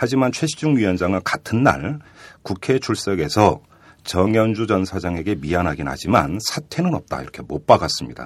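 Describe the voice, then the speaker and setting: A man speaks at a fairly low pitch with vocal fry. His pitch swings very widely. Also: moderate pace. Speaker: podcast host, political commentator. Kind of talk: news commentary and interview.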